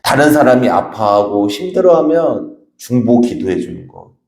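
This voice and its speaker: A man's voice: medium pitch, sing-song, moderate pace, gravelly, a little mellow. Emphatic male pastor in an echoey church. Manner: emphatic, exhorting, tells folksy anecdotes. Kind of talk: sermon. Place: church sanctuary.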